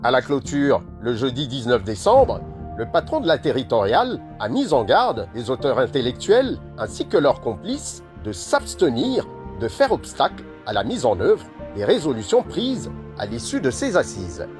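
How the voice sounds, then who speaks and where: Lively male news narrator over music. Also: mid-range voice, normal speed. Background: music bed.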